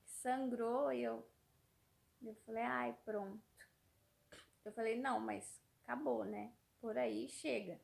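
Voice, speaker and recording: Brief: Brazilian mother, 30s, casual vlog storyteller, high voice with a gravelly edge, rambling delivery. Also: steady tone, slow pace, long pauses, darkish tone. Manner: rambling, repeats words, trails off. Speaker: mother vlogger.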